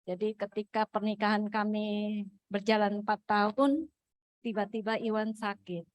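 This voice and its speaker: A woman's voice: mid-range voice, steady tone, moderate pace, no room sound. A woman, nervous and speaking to a large crowd for the first time, giving a personal testimony at a Christian fellowship. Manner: nervous, with a shy laugh. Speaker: testimony speaker, wife of the previous speaker.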